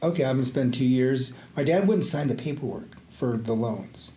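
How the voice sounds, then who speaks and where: An older man, a retired judge who grew up in the Panama Canal Zone with Greek as his first language, talking in a reflective, halting way with many fillers and quick laughs. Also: mid-range voice, mellow. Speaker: retired judge, podcast guest. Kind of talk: casual interview chat. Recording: echoey room, faint background noise.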